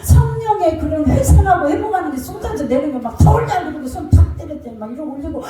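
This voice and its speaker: A woman pastor preaching a sermon, telling stories animatedly in a sing-song preaching cadence and shouting commands now and then. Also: high-pitched, animated, fast, a crowd in the background. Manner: shouts commands mid-story. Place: church. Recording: very echoey church hall, distant mic, faint music.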